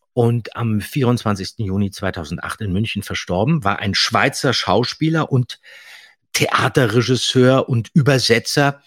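A man's voice: medium pitch, slightly rough, no echo, studio quality. A man hosting a podcast about radio plays, chatting casually and enthusiastically with anecdotes. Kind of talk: casual chat.

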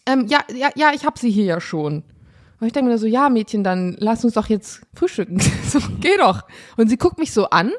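A woman's voice: fairly high pitch, sing-song, moderate pace. A woman co-hosting a podcast, telling an anecdote in a casual chat and acting out the dialogue in raised voices with frequent laughter, recorded in a hotel room. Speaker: podcast co-host.

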